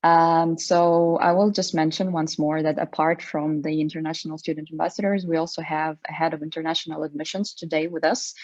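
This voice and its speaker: A woman's voice: low voice, a little mellow, no room sound, lo-fi sound. A young woman from Ukraine, a student, presenting slides in a friendly way on a video call. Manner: friendly, clear, with some "um" fillers.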